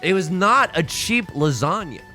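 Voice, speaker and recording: A man streaming live, chatting casually with viewers in an animated, jokey way, often restarting and repeating his words. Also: high-pitched, a little slow, soft background music.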